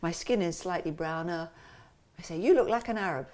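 Woman, lowish voice, animated storytelling guest. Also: fairly quick. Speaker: interview guest, musician and cartoonist. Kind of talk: casual conversational interview.

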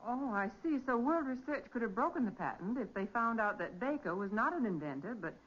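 A woman's voice: on the high side, animated, fairly quick, a bit bright, husky. An actress playing a detective's curious, conversational female assistant in a 1940s radio drama. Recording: muffled vintage 1940s radio recording.

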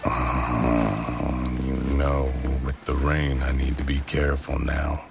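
A man's voice: level tone, slow, over music, full character voice. A man playing a doting, seductive new husband in a romantic audio role-play, murmuring intimately right into the listener's ear. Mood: teasing, aroused. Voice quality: deep, gravelly. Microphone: very close microphone.

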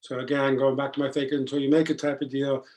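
A man's voice: little pitch movement, fast talker, darkish tone. A man who is a guest on a podcast, talking earnestly in casual conversation, with frequent ums and restarts. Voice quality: deep voice.

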